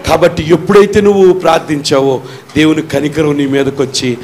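A middle-aged man with a Telugu accent, a pastor preaching a sermon, dropping to quick low asides and rising to loud shouted declarations. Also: steady tone, crowd noise.

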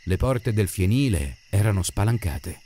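Guy narrating an audiobook, dramatic, lively pitch, slight hiss behind. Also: moderate pace. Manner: expressive, dramatic reading. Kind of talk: scripted narration.

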